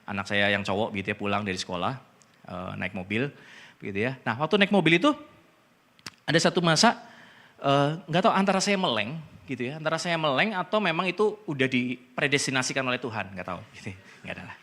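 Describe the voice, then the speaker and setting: A man's voice: medium pitch, quick pace. A middle-aged man, preaching a casual sermon and telling a personal story in a chatty, joking way. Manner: chatty, animated, laughs at own story, slangy. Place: church.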